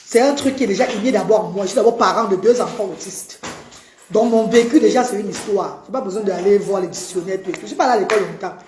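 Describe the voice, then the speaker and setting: A woman's voice: mid-range voice, quick pace, darkish tone, echoey room, a little hiss or hum. A woman, an autism advocate talking on a live stream, effusively greeting viewers and pleading for shares.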